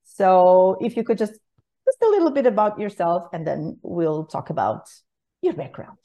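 A woman hosting an interview podcast, enthusiastic and quick to laugh. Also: medium pitch, sing-song, dark tone. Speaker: podcast host.

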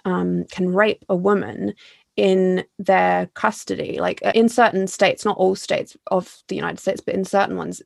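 A woman's voice: medium pitch, gravelly, dry recording, studio quality. A young woman hosting a casual chat, asking long earnest, emotional questions that ramble. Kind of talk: casual podcast interview.

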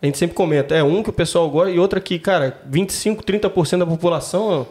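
A man's voice: high voice, quick pace, a little mellow. A man hosting a podcast, asking questions in a casual, slangy way. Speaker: podcast host.

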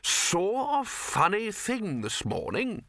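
A man's voice: high voice, wildly swooping pitch, slow pace, pushed and bright, no echo, studio quality, voice pushed up, heavily acted. A man voicing a bossy, blustering old wizard in a comic fantasy storybook, with blunt, clipped, hectoring delivery. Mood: blunt, brisk. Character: gruff, blustering, bossy old male wizard Arch-Chancellor.

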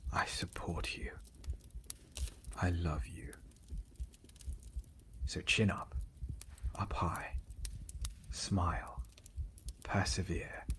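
Soft whispering man, slow and even. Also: sits low. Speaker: comforting ASMR speaker. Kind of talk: ASMR.

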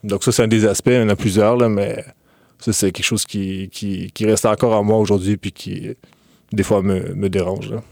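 Deep, flat-voiced young man, hesitant. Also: normal speed, gravelly, no echo. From Ukraine. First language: Russian. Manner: hesitant, many fillers and restarts. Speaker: guest. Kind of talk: relaxed interview talk.

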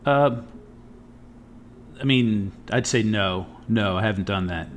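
Man, low voice, casual podcast co-host, rambling anecdotes, faint background hiss. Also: slow pace. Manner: rambling storyteller, swears, frequent "right?" asides.

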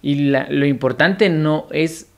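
A man, musing philosophically in a relaxed podcast chat. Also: fairly high pitch, takes it slowly, vocal fry. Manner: musing, philosophical, slips into acted quotes. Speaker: podcast co-host. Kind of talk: casual reflective chat.

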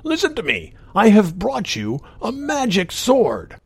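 A man's voice: high voice, huge pitch swings, a little slow, creaky, breathy edge, no echo, pitched above the performer's own voice, heavily acted. A man voicing a little old man, really a giant in disguise, who coaxes a knight with grand promises. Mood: coaxing.

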